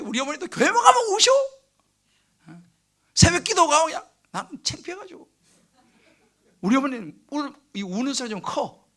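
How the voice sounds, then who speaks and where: A middle-aged male pastor preaching a sermon in church, telling stories lively, acting out prayers and dropping from loud bursts to hushed near-whispers. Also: very high voice. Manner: animated storytelling, acts out quoted prayers and crying. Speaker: senior pastor. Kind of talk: sermon at a midweek service. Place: church sanctuary.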